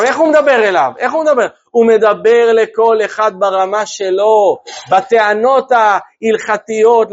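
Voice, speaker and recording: High-voiced man teaching a lively Torah class. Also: highs cut off. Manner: lively, asks listeners rhetorical questions. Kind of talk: religious class to a group.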